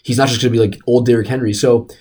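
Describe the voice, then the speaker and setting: A young man co-hosting a casual sports podcast, talking in an animated, rambling way full of restarts and fillers. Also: mid-range voice, racing. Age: young adult. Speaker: podcast co-host. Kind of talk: casual chat.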